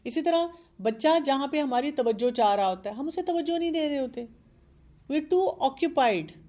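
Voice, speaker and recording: High-voiced middle-aged woman giving parenting advice. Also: expressive, warm tone. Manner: earnest, explaining with examples from her own children, mixing in English words. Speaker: parenting expert. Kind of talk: advice talk on a show.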